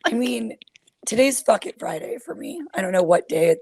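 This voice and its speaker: Woman, 40s, guest comic. Husky and raspy with vocal fry, self-mocking. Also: a little high, big pitch swings, normal speed, no room sound. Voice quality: super scratchy voice. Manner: self-deprecating, laughs often. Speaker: guest comedian. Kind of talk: casual podcast chat.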